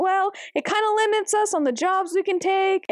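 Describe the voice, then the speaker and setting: Putting on a squeaky character voice, the speaker holds a moderate pace and very even loudness, with a dry, close sound and no echo. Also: woman, extremely high pitch for a woman. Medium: solo performance. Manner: casual, upbeat.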